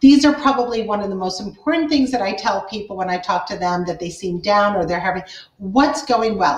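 Woman speaking with lively intonation at a fairly quick pace, audible room echo and a quiet background. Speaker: business founder and speaker; speaker. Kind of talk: interview. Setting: video call. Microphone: video call.

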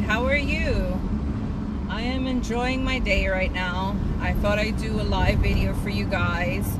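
A woman at a very slow pace, dry sound with no echo, over loud background noise. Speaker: driver hosting a live stream. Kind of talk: casual vlog chat. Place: car. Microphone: phone near.

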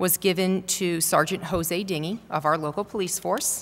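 A woman speaks with fairly even intonation. Her pace is fairly slow. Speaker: town councillor. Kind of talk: formal meeting. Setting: council chambers. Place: hall. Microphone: podium.

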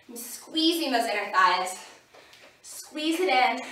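A woman speaks at a fairly slow pace over background music. The room echo is audible. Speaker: prenatal fitness instructor. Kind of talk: workout instruction. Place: home room. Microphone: camera far.

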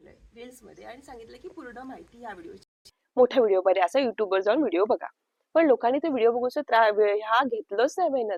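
An animated woman's voice with a Konkan accent, high in pitch, with lively intonation and big swings in loudness. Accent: Malvani Konkan Marathi. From Konkan, Sindhudurg (Malvan region). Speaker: YouTuber on Malvani culture. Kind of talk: vlog monologue.

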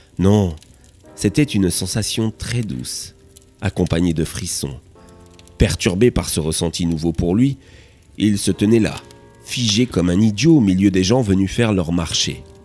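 With music in the background, a man with a very deep, low pitch speaks at a fairly slow pace, using lively intonation and long, frequent pauses. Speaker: storyteller narrator. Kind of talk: story narration.

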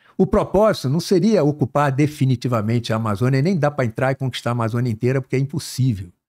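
Against a quiet background, a somewhat breathy voice with a dark, mellow tone moves through lively intonation. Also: man. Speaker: guest. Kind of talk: interview answer. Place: studio. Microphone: studio mic.

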